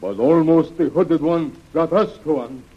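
An actor playing a loyal, watchful servant sidekick in an old radio serial, speaking deferential, clipped broken English. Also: male voice, fairly high pitch, unhurried, husky. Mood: deferential, wary. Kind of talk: 1930s radio serial acting. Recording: muffled, noisy old radio recording.

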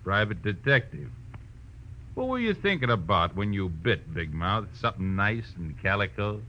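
An actor playing a menacing, taunting crook in a 1940s radio crime drama, talking in bullying slang. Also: male voice, fairly low pitch, big pitch swings, normal speed. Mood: sneering. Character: menacing, sneering tough crook with a gun. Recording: dull, lightly noisy old radio recording.

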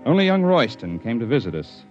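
An actor narrating as a tough, plain-spoken mountain climber in a 1950s radio drama, on an old broadcast recording with faint music. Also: male voice, medium pitch, big pitch swings, a little fast, muffled recording, lightly acted. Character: tough mountain climber, grown man, dry humor. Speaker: narrator and lead.

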